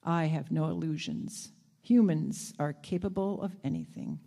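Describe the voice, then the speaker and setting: A woman's voice: low voice, very animated, vocal fry, mellow, pitched below the performer's own voice, full character voice. Woman reading as a wry old dog. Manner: plain reading voice, unhurried storytelling. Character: clever old male dog, proud and wry. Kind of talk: reading a first-person story aloud.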